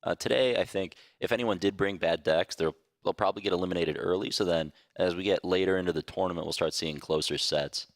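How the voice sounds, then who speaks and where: A man giving esports desk analysis in a relaxed, hesitant way, with many pauses and fillers. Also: low voice, dry recording, clean studio sound.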